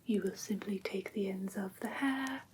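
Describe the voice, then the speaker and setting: A woman playing a prim, patient vampire teacher in a whispered ASMR roleplay, speaking softly and breathily with formal, careful instruction. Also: mid-range voice, moderate pace, noisy background, natural voice. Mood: gentle, instructive. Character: prim, patient female vampire teacher of human pet care.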